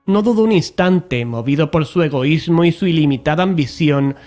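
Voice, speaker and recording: Higher-voiced Spanish man telling a horror tale as an actor. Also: normal speed, a little mellow, soft background music, close to an everyday voice. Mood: grave, narrative. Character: male investigator recounting a cosmic horror expedition. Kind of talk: scripted audio drama narration.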